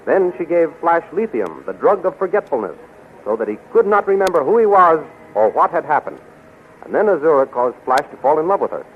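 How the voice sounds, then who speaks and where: Tinny 1930s radio announcer guy, high voice, dramatic serial narration. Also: very animated, a little fast, slight background noise. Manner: dramatic, declamatory.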